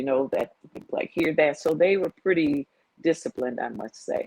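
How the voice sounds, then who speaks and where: The sound is dry and close-miked, without any echo. She has an American accent. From Louisiana, US South. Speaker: mother and great-grandmother. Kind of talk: interview.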